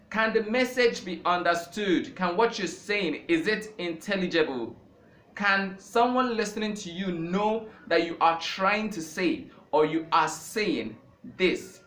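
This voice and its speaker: A man's voice: mid-range voice, bright, forceful tone. A Nigerian man, a native Igbo speaker, giving an informal talk on learning languages. He speaks emphatically, repeats phrases for stress and builds to impassioned peaks. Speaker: language teacher. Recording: echoey room with faint background noise.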